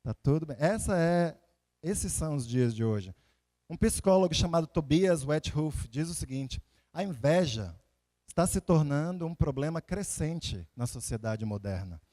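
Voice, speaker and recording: A man Salvador, preaching conversationally in an animated storytelling way, with rhetorical questions and repeated phrases for emphasis. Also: a little high, measured pace. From Salvador, Bahia, Brazil. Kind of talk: conversational sermon with personal anecdotes and scripture readings.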